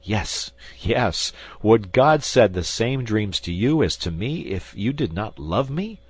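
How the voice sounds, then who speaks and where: Brief: male reader as a reckless passionate lord, fervent and expressive, dry close sound. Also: fairly low pitch, slow, breathy edge, no echo, heavily acted. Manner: fervent, impassioned delivery. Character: ardent lovesick nobleman, passionate and reckless. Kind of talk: audiobook character reading.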